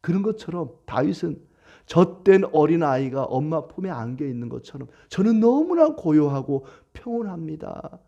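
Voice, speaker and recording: A man preaching a sermon as a pastor, animated, with acted quotes. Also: fairly high pitch, moderate pace, vocal fry, muffled recording.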